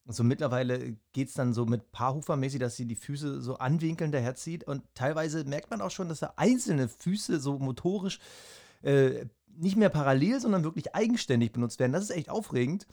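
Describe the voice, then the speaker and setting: A man's voice: medium pitch, brisk, dark tone. A young man, a new father, chatting casually and rambling in a self-mocking, hesitant way. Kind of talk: casual chat. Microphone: headphones on, studio-style mic.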